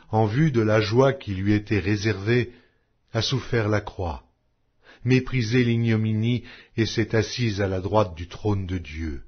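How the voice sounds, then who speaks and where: A man narrating an audio Bible as a scripted reading, in a solemn, measured, carefully articulated manner. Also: on the low side, breathy edge, lo-fi sound.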